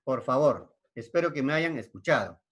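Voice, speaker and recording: A man's voice: medium pitch, animated, moderate pace, fairly bright tone. A man with a Peruvian Spanish accent teaching an online language lesson, explaining patiently and checking in with frequent tag questions. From Peru.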